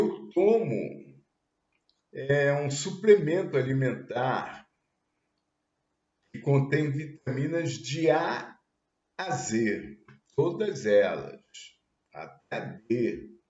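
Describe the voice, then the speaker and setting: A man speaks very slowly at a fairly high pitch, with vocal fry. Long pauses come often. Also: lively intonation. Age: 70s. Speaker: spiritist study leader. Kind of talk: religious study talk. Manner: casual, conversational.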